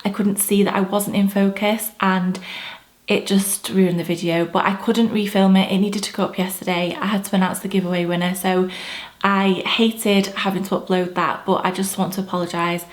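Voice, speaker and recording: A woman's voice: mid-range voice, little pitch movement, normal speed. A young woman vlogger reviewing makeup to camera in a chatty, gushing way, her voice a bit stuffy from a cold. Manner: chatty, gushing, rambling asides. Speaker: beauty vlogger. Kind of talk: casual product review to camera. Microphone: camera mic.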